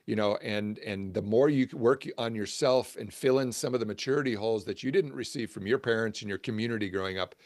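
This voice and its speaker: A man's voice: lowish voice, fairly quick, hardly any pauses, darkish tone, dry recording, clean studio sound. A middle-aged man, a guest author and church trainer, giving enthusiastic explanatory answers and often restarting his sentences. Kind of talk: interview answers.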